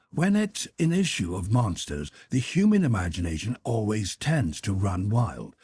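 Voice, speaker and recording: A male audiobook narrator with a markedly husky voice and animated intonation. He reads literary prose in a measured, expository way, recorded dry and close. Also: medium pitch, no echo. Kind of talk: scripted literary narration in first person.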